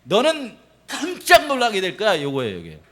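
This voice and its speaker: Animated Korean pastor, high lively voice. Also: male voice, normal speed. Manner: animated, acts out quoted reactions, laughs often. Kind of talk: sermon.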